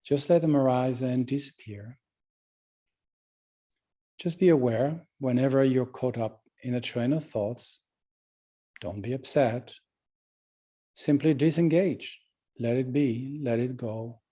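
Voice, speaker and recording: A man leading a guided meditation as a teacher, speaking calmly and gently with unhurried pauses. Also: medium pitch, breathy edge.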